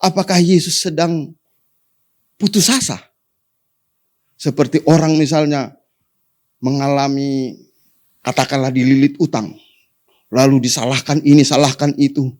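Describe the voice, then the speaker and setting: A pastor preaching to his congregation, often calling for amen, rising to sudden high emphatic peaks and dropping to soft endings. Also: steady tone, unhurried, pauses often. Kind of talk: sermon.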